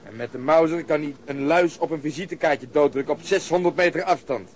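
An actor playing an impatient, gruff, cynical police officer in a radio drama. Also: male voice, on the high side, a little fast, lightly acted. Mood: dry. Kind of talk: Dutch radio drama acting.

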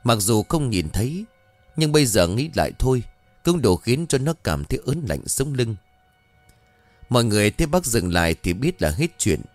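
A man narrating a scripted ghost story in an expressive storytelling manner. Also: mid-range voice, moderate pace, no room sound. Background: faint background music.

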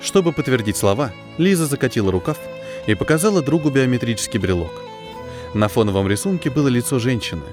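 Expressive male audiobook narrator. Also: mid-range voice, fast talker. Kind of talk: scripted story narration. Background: background music.

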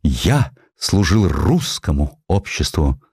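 A man voicing an idealistic clerk on trial in an audio drama, speaking in earnest, deliberate, quietly defiant oratory. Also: very deep voice, very animated, slightly rough, no echo, full character voice.

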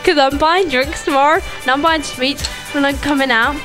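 British teenage girl, high voice, cheeky and giggly, music behind. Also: normal speed. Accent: British English. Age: teens. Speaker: host's sister, guest on the show. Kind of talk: casual cheeky banter. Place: home conservatory.

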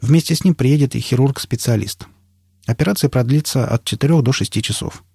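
A man voicing a worried field medic who speaks in a measured, careful way in an audiobook. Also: medium pitch, gravelly, mellow, slightly rough, no room sound, studio quality. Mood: calm, worried. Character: worried male field medic, calm-spoken.

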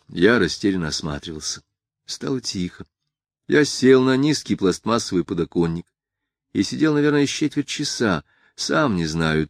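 Low male narrator reading a novel aloud, grave and measured, close dry sound. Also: dry recording. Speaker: audiobook narrator. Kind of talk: first-person literary audiobook reading.

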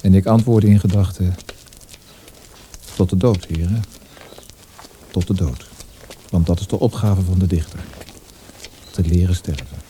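Weary poet remembering his youth, radio monologue, deep really soft dark tone, measured. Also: fairly even intonation, slight background noise. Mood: melancholy. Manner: reflective, literary, measured. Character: world-weary male poet recalling his prodigy youth.

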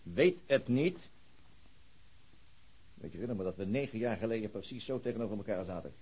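A low, husky, stern detective. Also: male voice, expressive, brisk, mellow. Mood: sceptical. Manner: formal, insistent questioning. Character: stern, probing male police detective, formal and dogged. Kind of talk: radio drama acting.

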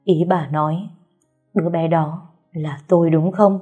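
A woman doing a distraught young man shouting. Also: low-pitched, fairly even intonation, unhurried, husky, narrow, tinny audio, faint music behind.

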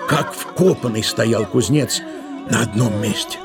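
A man narrating a literary tale for an audio drama, with expressive storytelling delivery. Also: lowish voice, measured pace, music in the background.

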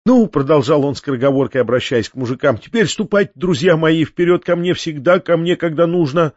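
A man voicing a kindly, flustered older landowner who talks quickly and pleadingly in an audiobook. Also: on the high side, a little mellow, no echo, dull audio, natural voice. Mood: eager. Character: fussy, kindly older male landowner uncle. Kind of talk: audiobook character reading.

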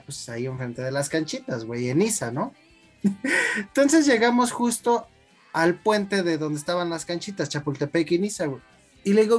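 A woman with a Mexico City accent and a lowish voice tells teasing anecdotes in slangy banter. She acts out what others said, and faint music sits behind her. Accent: Mexico City Spanish. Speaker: radio show co-host. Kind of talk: casual storytelling among friends.

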